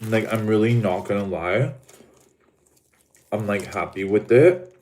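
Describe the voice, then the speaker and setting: Slow, camp man chatting on a livestream. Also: lowish voice, a little mellow. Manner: dramatic, camp, drawn-out addressing of viewers; eating while talking. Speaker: livestream host. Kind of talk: casual livestream chat.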